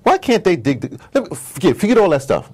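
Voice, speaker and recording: An interview guest with a high, husky voice talks fast, delivering passionate, informal political commentary full of slang and rhetorical questions. He's animated, tells stories emphatically and acts out dialogue.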